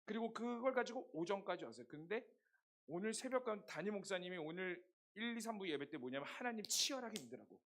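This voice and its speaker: A hoarse young man preaching a sermon to a youth group, telling stories and asking the congregation rhetorical questions. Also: sits high, lively intonation, quick pace, a bit bright. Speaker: youth pastor.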